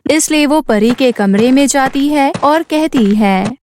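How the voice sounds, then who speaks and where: High-voiced woman narrating a story. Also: takes it slowly, darkish tone, a little hiss or hum. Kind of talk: scripted narration of a children's moral story.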